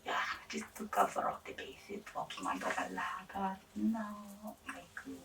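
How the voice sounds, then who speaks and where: A woman playing an eccentric female doctor in an ASMR roleplay, halting and formal, breathy and often near a whisper. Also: medium pitch, sing-song, a bit bright, distant mic, slight background noise. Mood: cautious, quirky. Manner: halting, hesitant, formal clinical phrasing with odd asides. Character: eccentric female doctor examining a patient for monster afflictions. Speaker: ASMR performer. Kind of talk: ASMR roleplay, intimate questioning.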